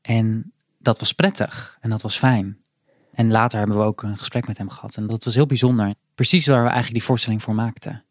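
Calm male podcast co-host. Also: on the low side, a little fast, no echo, studio quality. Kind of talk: conversational storytelling.

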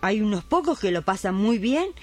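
A woman's voice: mid-range voice, very animated, moderate pace, darkish tone, soft background music. A woman playing an elderly retired midwife, devout and plain-spoken, in a radio drama. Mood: indignant. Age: older.

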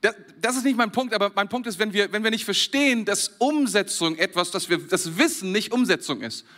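Lively high-voiced German preacher man. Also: a little fast. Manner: animated, chuckles often between phrases. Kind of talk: lively sermon to a congregation.

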